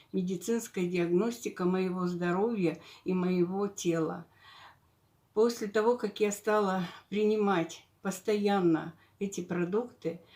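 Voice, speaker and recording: Earnest older woman in her seventies, steady mid-pitched testimonial. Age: 70s. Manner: earnest, list-like recital. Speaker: pharmacist giving a testimonial.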